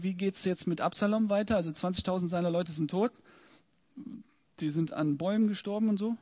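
A man teaching from the Bible, reading verses aloud and then retelling them in casual words with questions to his listeners. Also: high voice. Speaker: preacher.

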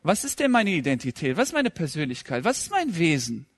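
A man in his thirties preaching a sermon with a fairly high voice. He speaks conversationally and pokes fun at himself, then builds to emphatic rising questions. The sound is close and dry, with no room echo. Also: huge pitch swings, fairly quick.

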